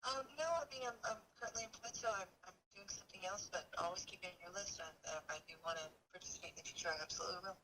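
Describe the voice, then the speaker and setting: A woman heard through a phone speaker, rattling off her answers very quickly. She stays polite and to the point, with a faint rumble underneath. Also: bright, forceful tone, rough recording. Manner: brief, polite and businesslike. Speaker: realtor answering a phone call. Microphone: heard over a phone speaker.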